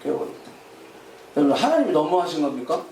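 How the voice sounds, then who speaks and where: A man's voice: on the high side, sing-song, fast, mellow, slight background noise. A male pastor preaching a sermon in a church sanctuary, often questioning the congregation and calling for their responses. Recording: roomy hall, voice from a distant mic.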